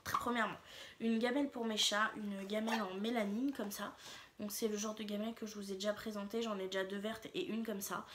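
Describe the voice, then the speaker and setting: A woman's voice: medium pitch, fairly even intonation, a little fast, fairly bright tone, slight background noise. A woman talking casually to her viewers in a shopping haul vlog, chatty and rambling, with frequent hesitations and fillers. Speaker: vlogger.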